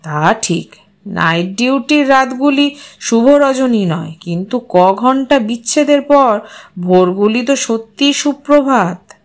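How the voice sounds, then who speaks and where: A woman voicing a fond, courteous husband who talks in a soft, playful way in an audio story. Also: fairly high pitch, expressive, takes it slowly. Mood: fondly teasing. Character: gently teasing husband, adult man, fond and courteous.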